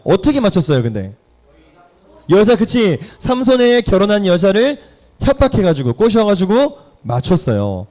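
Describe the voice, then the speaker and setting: Youth pastor guy preaching, keeps asking the room questions, warm mellow voice. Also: sits high. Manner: lively, quizzes the audience. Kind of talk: sermon to teenagers. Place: church hall.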